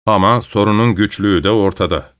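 A man's voice: fairly low pitch, fairly even intonation, a little fast, a bit bright, dry recording, studio quality, lightly acted. A man voicing a sly angel of evil who answers in a curt, matter-of-fact way. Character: sly four-winged angel of evil, blunt and unbothered.

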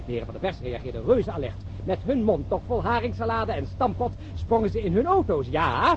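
An actor playing a catty, gushing male radio reporter who addresses listeners in an arch, confidential way in a radio drama. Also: high-pitched. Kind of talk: radio drama parody of live outside-broadcast commentary. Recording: dull, noisy old radio drama recording.

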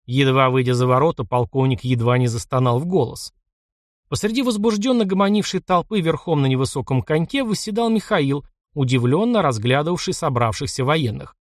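A man narrating an audiobook with a measured, expressive reading at a middle pitch. The sound is dry and close, with no room echo.

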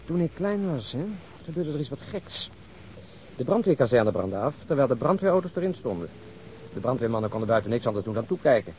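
An actor playing a grumbling, sardonic married police detective in a naturalistic radio drama, gruff and contrary in manner. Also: male voice, medium pitch, big pitch swings, fairly quick, a little mellow, slight background noise, natural voice.

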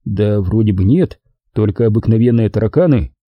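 A man reading an audiobook, voicing a wry male bookseller with slow deadpan replies. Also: on the low side, no echo, muffled recording, close to an everyday voice.

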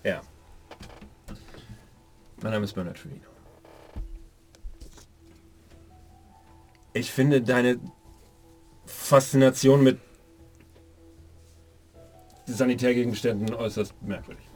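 A man's voice: medium pitch, a little slow, pauses often, darkish tone, natural voice. Man doing surly middle-aged ex-con, curt, snappy, mid voice, faint music behind. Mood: gruff. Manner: curt, irritable, sarcastic. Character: gruff 45-year-old male ex-soldier convict. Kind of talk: in-character roleplay.

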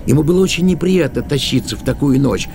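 A man's voice: fairly high pitch, fast talker, gravelly, noisy background. A man narrating a literary tale as the storyteller of an audio play.

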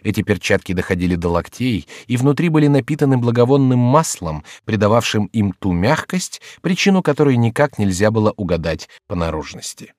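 A man narrating a classic novel in a measured, even storytelling manner for an audiobook. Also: lowish voice, dry recording, clean studio sound. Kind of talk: scripted literary narration. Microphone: close studio mic.

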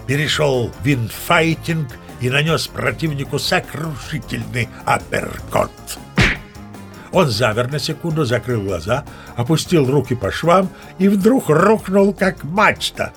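An actor playing a seasoned old sea captain who narrates tall tales as a chatty, mock-dignified raconteur. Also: male voice, medium pitch, lively intonation, unhurried, vocal fry, soft background music. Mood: chatty, wry. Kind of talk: dramatized storytelling narration.

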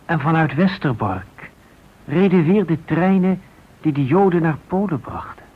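A man narrating a radio drama in a grave, deliberate storytelling manner with pauses, his voice husky. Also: a little high, animated. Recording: narrow, lo-fi old radio sound.

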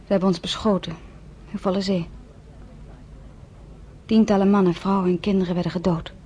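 An actress playing a young Jewish woman survivor who narrates her own story in a radio play, softly and often close to a whisper. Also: medium pitch, flat delivery, moderate pace, husky, lightly acted. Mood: subdued, grave. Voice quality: soft-spoken, often near a whisper.

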